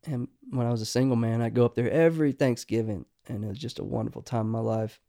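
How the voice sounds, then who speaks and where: A man's voice: mid-range voice, fairly even intonation, quick pace, vocal fry, dark tone, no room sound, clean studio sound. A middle-aged man, a songwriter guest, talking casually and rambling with many restarts. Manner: rambling, restarts often, says "you know" a lot. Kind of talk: casual podcast conversation.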